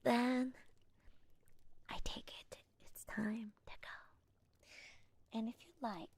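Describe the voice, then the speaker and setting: A woman's voice: a little high, flat delivery, drawn-out words, a little mellow, slightly rough, full character voice. A woman whispering in the role of a friendly, playful young witch shopkeeper who teases and giggles. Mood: whispery. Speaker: ASMR roleplay creator. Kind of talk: ASMR roleplay.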